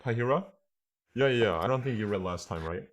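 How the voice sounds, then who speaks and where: A man's voice: on the low side, animated, fairly quick. A man giving a casual online language lesson as the teacher, thinking aloud and often checking that listeners follow.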